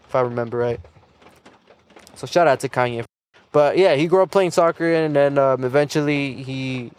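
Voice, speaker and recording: A man's voice: medium pitch, clean tone. A young man hosting a casual solo podcast, loose and rambling with plenty of fillers, restarts and small laughs. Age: young adult. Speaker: podcast host.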